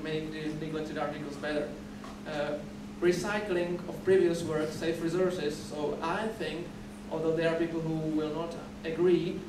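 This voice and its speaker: Standing at a podium in a dimly lit lecture hall, a young man from the Czech Republic, whose first language is Czech, delivers a conference talk in a fairly high voice. As he explains, he frequently repeats words and starts over. The audio is noisy and echoey, picked up from far away by a camera rather than the podium mic directly.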